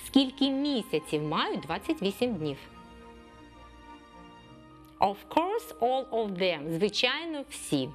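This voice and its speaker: A woman gives a children's English lesson on TV. She speaks slowly and clearly, with a lively voice that rises and falls. Soft music plays behind her. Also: on the high side. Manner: slow, clear lesson delivery, mixing English and Ukrainian. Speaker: English teacher.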